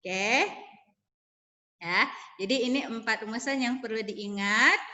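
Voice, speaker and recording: A woman's voice: a little high, a little slow, pushed and bright. A woman teacher, leading an online math class over a video call, calling on students by name and walking through formulas step by step.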